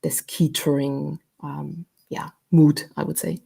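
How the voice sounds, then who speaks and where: A woman, chatting relaxed as an interview guest, with many fillers. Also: low voice, takes it slowly, vocal fry, breathy edge. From Austria. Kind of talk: casual interview chat. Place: at home.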